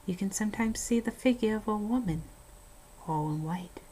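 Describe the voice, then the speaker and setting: A woman playing a horror fan who swaps spooky tales in a dramatic way, dipping into hushed tones. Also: mid-range voice, normal speed, slight background noise, close to an everyday voice. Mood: ominous. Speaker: horror story narrator. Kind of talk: scripted ghost story narration and acted banter.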